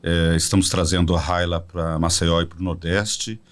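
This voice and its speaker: A man in his forties from São Paulo, a podcast guest telling a personal story as a smooth sales pitch. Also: little pitch movement, moderate pace. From São Paulo state, Brazil. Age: 40s. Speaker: podcast guest, product representative. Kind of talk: casual promotional chat.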